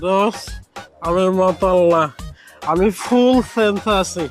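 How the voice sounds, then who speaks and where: A man's voice: high voice, takes it slowly. A man playing a scheming, flustered drinker in a Bengali comedy skit, exclaiming and pleading over music.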